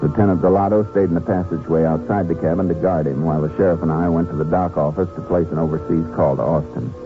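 An actor playing a calm, businesslike Texas Ranger, steady and authoritative, in a 1950s radio drama. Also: male voice, low voice, fast, over music. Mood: measured narration. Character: calm, businesslike Texas Ranger lawman narrating his case. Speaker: lead character and narrator. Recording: tinny old radio recording.

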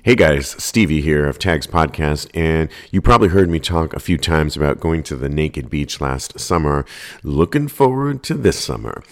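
A man with a deep, low voice reads a podcast sponsor spot. The delivery is scripted yet conversational, told candidly like a personal story. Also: big pitch swings, moderate pace. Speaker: podcast host reading a sponsor ad.

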